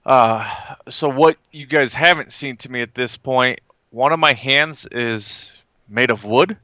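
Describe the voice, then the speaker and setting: A man's voice: medium pitch, unhurried, sharp tone, no room sound. A man playing a tabletop role-playing game, describing his moves in casual, playful table talk.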